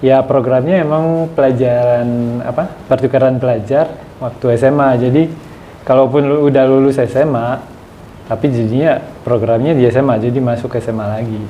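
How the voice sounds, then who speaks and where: With noticeable background noise behind him, a man speaks at a medium pitch in a French accent. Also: fairly even intonation, moderate pace. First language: French (speaking Indonesian). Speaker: channel owner's husband. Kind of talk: casual chat. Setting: at home.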